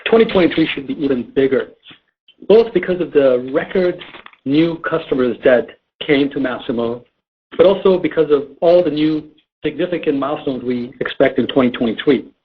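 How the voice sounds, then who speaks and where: A man's voice: medium pitch, normal speed, slightly rough. A man giving a scripted business presentation as a company executive, reading formally over a muffled phone conference line. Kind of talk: scripted earnings call presentation.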